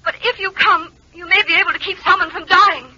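A troubled, pleading wife speaks by telephone in 1940s radio style. Her voice is extremely high and sharp. The old recording is narrow, with faint noise. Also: fairly even intonation, fairly quick, heavily acted. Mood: anxious pleading. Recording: thin phone effect, noisy old radio recording.

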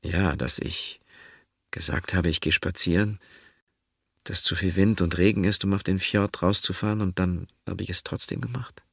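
A man reading an audiobook, voicing a quiet, withdrawn man who answers hesitantly. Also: sits low, steady tone, moderate pace, creaky, slightly rough, no echo, clean studio sound, full character voice. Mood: subdued.

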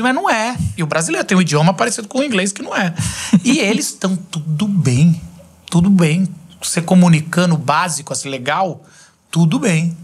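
A man in his thirties from Brazil, hosting a podcast in a small studio at a boom mic, chatting casually and gesturing as he tells stories. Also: husky. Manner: animated, gesturing storyteller. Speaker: podcast host. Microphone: boom mic on desk arm.

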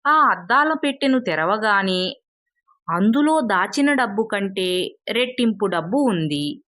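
A woman tells a moral folk tale at a very slow, measured pace. Her voice is pitched in an ordinary middle range. It sits dry and close to the mic with no room sound. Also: expressive, fairly bright tone, no room sound. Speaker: storyteller. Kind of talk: scripted narration of a moral tale.

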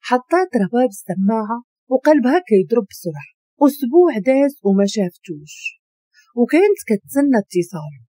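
A woman with a Moroccan accent narrating a romantic story in an expressive, dramatic way. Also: a little high, brisk, no room sound.

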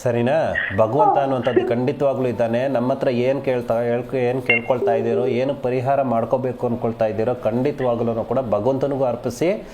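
A man speaking as an astrologer on a live call-in show, calm and reassuring, drawing out important phrases slowly. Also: medium pitch, a little hiss or hum.

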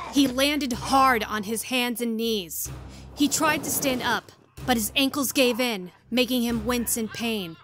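A woman narrating a scripted story as the narrator of an audio drama. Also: fairly high pitch.

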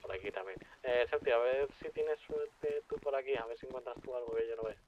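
A man chats casually as he plays. His voice sits at an average pitch, and the audio is dull with faint noise. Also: fairly quick. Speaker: online roleplay gamer. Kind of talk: casual in-game chat. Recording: dull, noisy game voice chat.

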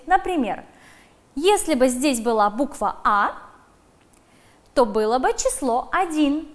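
A woman leads a primary school class on television, talking straight to the children. Her voice sits high and moves through a wide, animated range. She slows right down to sound out dictation words with clear emphasis. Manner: addresses children directly.

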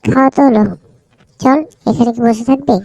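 A woman's voice: a little high, fairly even intonation, fairly quick, dark tone, dry recording, lightly acted, low-quality recording. A woman voicing a teasing, bossy but caring cartoon friend in a casual, familiar, nudging way. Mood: friendly. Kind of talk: cartoon dialogue.

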